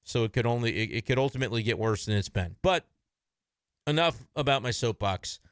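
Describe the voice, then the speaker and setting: A man's voice: mid-range voice, expressive, a little fast, no room sound, clean studio sound. Frank, conversational male sports commentator. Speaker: baseball team commentator. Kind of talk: casual solo commentary. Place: at his computer desk.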